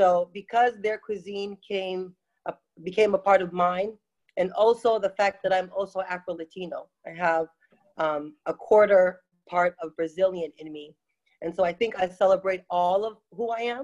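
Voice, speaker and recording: With a plain, everyday voice and an American accent, a woman speaks at a moderate pace and medium pitch, her intonation fairly even and her loudness swinging widely. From Ghana and Portland, Oregon. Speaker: business owner and military veteran. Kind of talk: podcast interview.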